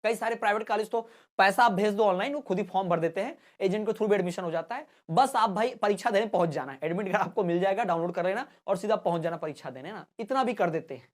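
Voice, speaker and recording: Fast-talking man explaining casually. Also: high voice. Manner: chatty, keeps checking in with listeners and addressing them as brother. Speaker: education channel host.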